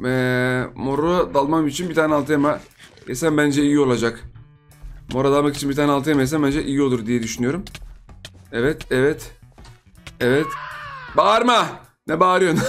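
A young man with a slightly high voice chats through his gameplay in a relaxed, rambling way. He keeps repeating himself and teasing the players he runs into. Faint game music plays underneath. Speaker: gaming YouTuber. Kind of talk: live gameplay commentary.

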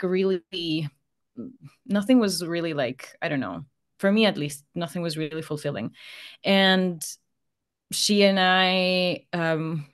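A woman's voice: lowish voice, clear, resonant tone. A woman in her thirties, a native Spanish speaker, chatting casually as an interview guest into a studio mic at home. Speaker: podcast guest. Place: small room at home, video call. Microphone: studio condenser mic on boom arm, headphones.

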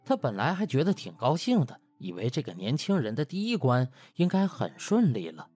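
A man's voice: mid-range voice, wildly swooping pitch, moderate pace, darkish tone, no echo, faint music behind. A man narrating a novel as an audiobook, in a scripted storytelling style.

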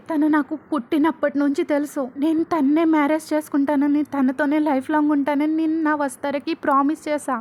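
A woman voicing a furious, possessive young man who shouts cutting, scornful words. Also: high voice, natural voice.

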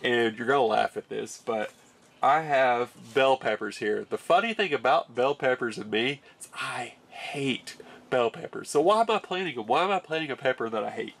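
A man's voice: medium pitch, expressive, moderate pace, vocal fry, a bit bright. Nasal young man with a cold. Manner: chatty and enthusiastic, explains step by step. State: stuffy nose from a cold. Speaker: gardening channel host. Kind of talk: casual how-to vlog. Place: small greenhouse. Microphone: camera mic at close range.

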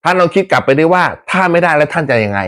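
Chatty, slangy Thai football fan host. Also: male voice, a little high, racing. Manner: chatty, animated, rough slang, laughs often. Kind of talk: casual football talk to viewers.

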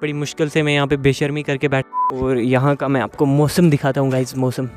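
A man's voice: medium pitch, level tone, fairly quick, darkish tone, faint music behind. A man in his early twenties hosting a vlog, chatting casually and asking questions. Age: early 20s. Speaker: vlogger and interviewer.

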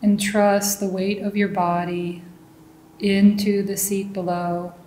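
A woman leading a guided meditation as a teacher, giving calm, gentle instructions. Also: slow. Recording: roomy echo, faint low rumbling noise.

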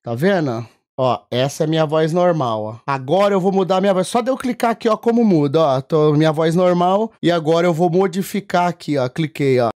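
A high-voiced Brazilian man walks viewers through his streaming setup. He talks casually and keeps pointing things out on screen. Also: animated, brisk, darkish tone. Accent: Brazilian Portuguese. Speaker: streamer and content creator. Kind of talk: casual tech demo.

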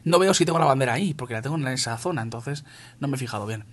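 A man's voice: medium pitch, animated, very fast. A young man from Spain with a Castilian accent, casually commentating his mobile shooter match for viewers, swearing and calling everyone "tío". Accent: Spain Spanish. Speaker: gaming youtuber.

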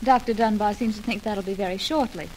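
A woman's voice: mid-range voice, a little fast, dark tone, close to an everyday voice. A woman playing a smug romantic rival in an old radio soap, sweetly condescending and polished, on a noisy old recording. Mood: falsely sweet. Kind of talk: 1940s radio soap acting.

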